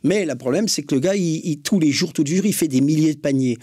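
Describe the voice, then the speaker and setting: Husky man making emphatic points. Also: on the high side, quick pace, dark tone, dry recording, studio quality. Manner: emphatic, repeats his points. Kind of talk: casual panel discussion.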